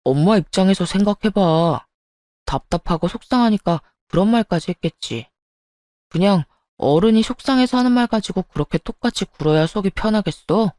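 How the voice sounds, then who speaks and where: Woman doing a lowered-voice husband. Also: lively intonation, moderate pace, a little mellow, no echo, studio quality, natural voice. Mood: exasperated. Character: defensive young married husband.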